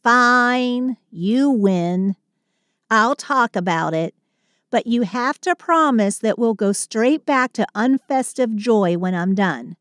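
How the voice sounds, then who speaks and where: Slow, high-voiced sulky Christmas elf played by a woman. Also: expressive, a bit bright, smooth, no echo, studio quality. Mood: reluctant, grumpy. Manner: dramatic, sardonic, affectionate venting. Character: sulky, sweet female Christmas elf venting to partner. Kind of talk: scripted audio roleplay monologue.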